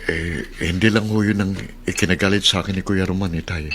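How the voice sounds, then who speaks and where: A humble, apologetic young husband in a radio play. He speaks politely and a little hesitantly, in a very low voice, over faint background noise. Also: steady tone, fairly quick, a bit bright. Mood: respectful. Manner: respectful, hesitant. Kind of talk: radio drama acting.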